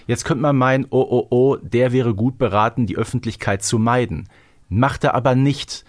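Emphatic male podcast host, mid-pitched. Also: normal speed. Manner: emphatic, effusive. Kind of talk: enthusiastic fan discussion.

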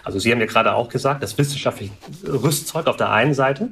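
A man in his thirties whose first language is Vietnamese, giving measured, analytical interview answers with some hesitations. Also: medium pitch, creaky, a bit bright, a little hiss or hum. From Germany. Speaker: guest, alumnus.

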